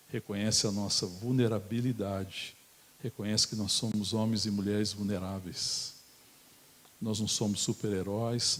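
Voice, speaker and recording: A Brazilian pastor preaching in church with a fairly low, husky voice. He speaks with passion and repeatedly calls out to his congregation. His delivery swells into loud, urgent cries. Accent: Brazilian Portuguese. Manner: impassioned, rises to shouted pleas. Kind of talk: sermon.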